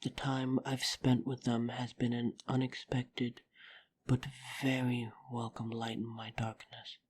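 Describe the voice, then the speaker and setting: A woman playing a wounded, earnest vampire in an audio drama, speaking sincerely and haltingly over background noise. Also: rumbling low, little pitch movement, darkish tone, husky, heavily acted. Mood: earnest, pleading. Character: earnest, wounded female vampire on trial, in love. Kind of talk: dramatic audio roleplay acting.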